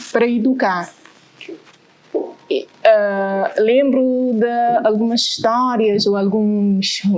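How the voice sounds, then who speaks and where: At a very slow pace with long, frequent pauses, a woman speaks in a high pitch with fairly even intonation over noticeable background noise. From Cape Verde, grew up between Praia, Santo Antão and Mindelo. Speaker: storyteller. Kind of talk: personal storytelling talk at a festival. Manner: halting, with frequent restarts.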